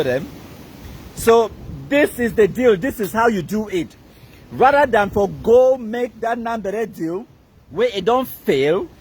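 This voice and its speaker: A man's voice: high voice, slight background noise. A Cameroonian man with a Cameroonian accent, giving an emphatic, repetitive live-stream rant that mixes pidgin and English.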